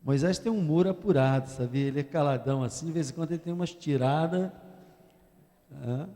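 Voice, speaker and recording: A man's voice: fairly high pitch, a little fast, warm tone. A man preaching a sermon as pastor, joking with the congregation and leading call-and-response. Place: church hall. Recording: long church-hall reverb.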